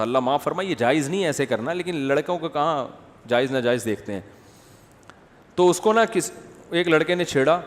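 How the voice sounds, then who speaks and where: A man giving a humorous religious talk, telling stories with comic impressions and answering questions read out from the audience. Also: fairly high pitch. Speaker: Islamic scholar answering questions. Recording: long hall reverb.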